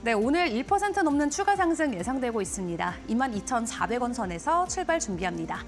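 A woman's voice: a little high, very animated, fast. A young woman presenting a financial report on television in a polished, formal broadcast manner. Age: young adult. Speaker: TV stock market news presenter. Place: TV studio. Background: background music.

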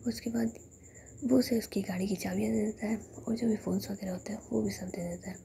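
Dark gravelly whispering woman storyteller. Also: medium pitch, fairly even intonation, a little fast, a little hiss or hum. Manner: retells a romance story, quoting each character.

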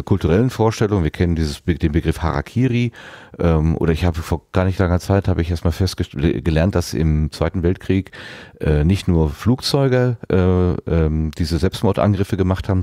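A man's voice: deep voice, dark tone, dry recording, studio quality. A man hosting a podcast in a casual interview style, musing aloud and hesitating as he puts his thoughts and questions together. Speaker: podcast host.

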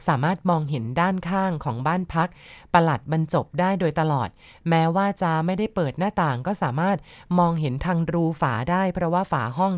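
A woman's voice: fairly low pitch, no room sound. A woman host narrating a ghost story in a polite, conversational way, with asides to her listeners. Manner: polite, conversational, adds soft particles and asides.

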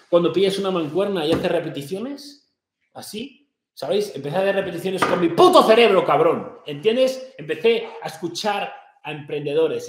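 Brash motivational influencer, somewhat high-pitched, swears constantly and lectures the viewer, recorded in a roomy, echoey office. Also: male voice. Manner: brash, profane and confrontational, gesturing broadly. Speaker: fitness and business influencer. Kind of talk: motivational rant to camera. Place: small home office, indoors. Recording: echoey room.

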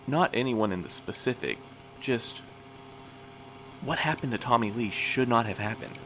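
A man playing a calm, patient middle-aged postmaster who interviews new couriers, speaking gently and in a measured way. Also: mid-range voice, a little hiss or hum, close to an everyday voice. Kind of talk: audio drama acting.

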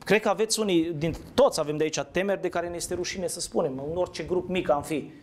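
A man's voice: high voice, slight background noise. Conversational preacher quizzing his listeners. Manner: asks the audience questions, conversational. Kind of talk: interactive sermon.

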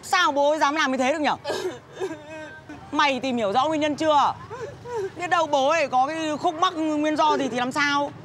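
A woman's voice: high-pitched, moderate pace, long pauses, fairly bright tone, slight background noise. A bossy, scolding market woman. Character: blunt market woman comforting her friend. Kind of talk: TV drama acting.

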